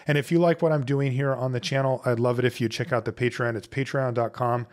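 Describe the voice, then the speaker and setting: Man, mid-pitched voice, casual step-by-step narration, chatty, conversational, thinking aloud. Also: steady tone, quick pace. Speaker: host of a watch repair channel.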